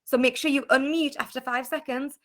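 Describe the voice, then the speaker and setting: Bright-voiced British woman teaching phonics. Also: high voice, steady tone, brisk. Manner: encouraging, clear sounding-out of letters. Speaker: primary school teacher. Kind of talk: online phonics lesson. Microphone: video call.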